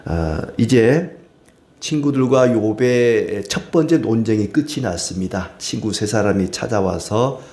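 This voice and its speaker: A man's voice: on the low side, expressive, unhurried, darkish tone. A man preaching a Bible study sermon in a conversational way, with frequent filler sounds. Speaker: pastor. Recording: roomy echo.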